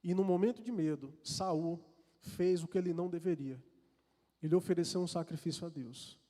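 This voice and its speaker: At a moderate pace, a high-pitched man with a dark tone and Brazilian Portuguese accent delivers a sermon built on an earnest personal confession. Words get repeated and restarted often, and a long church-hall reverb hangs on everything.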